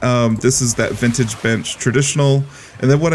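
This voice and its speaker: A man's medium-pitched, relaxed voice over noticeable background noise. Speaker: game YouTuber. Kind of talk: casual talk to camera. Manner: conversational, relaxed, with filler words.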